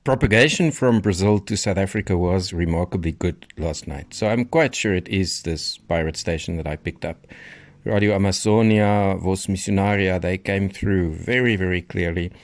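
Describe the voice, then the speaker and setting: A man's voice: sits low, normal speed, dry recording. A man narrating informally as a radio hobbyist, explaining a recording he made.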